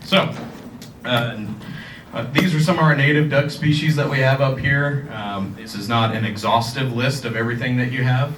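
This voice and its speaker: There is audible room echo and noticeable background noise behind a man's voice. He talks at a moderate pace with a medium pitch and ordinary pitch variation. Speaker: wildlife biologist giving a public talk. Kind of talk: educational presentation. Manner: loud; hesitant, many fillers.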